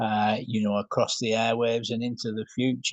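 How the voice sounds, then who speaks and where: Recorded dry and close with no echo and a quiet background, a man speaks at a moderate pace in a medium pitch with monotone, flat intonation. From Scotland. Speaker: podcast host. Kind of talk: casual chat. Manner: hesitant, many fillers.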